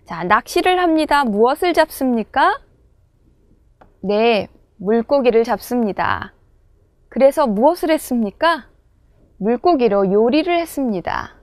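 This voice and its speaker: Brisk woman teaching in a dry booth. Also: fairly high pitch, expressive, no echo. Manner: clear, measured model pronunciation. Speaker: Korean language teacher. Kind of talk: textbook lesson dialogue reading.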